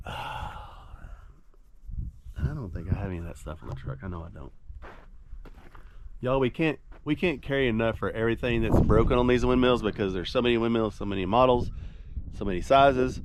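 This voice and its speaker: A man, stuffy and nasal from a cold, chatting casually and rambling in a folksy way as he works on a windmill outdoors. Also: on the low side. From Oklahoma. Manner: rambling, folksy, self-deprecating. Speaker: windmill repairman. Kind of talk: casual vlog narration. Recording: noisy outdoor recording.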